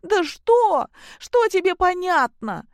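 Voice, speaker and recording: A woman reading aloud and voicing a sobbing, furious young married daughter, in a shrill, high and outraged tone. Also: lively intonation, normal speed, dry recording, clean studio sound. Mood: angry.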